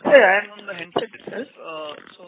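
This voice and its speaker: A man's voice: high voice, expressive, fairly quick, slight background noise. A man, heard over a faint, feeble phone line, asking a probing question on a conference call. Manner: probing, builds a question from many figures.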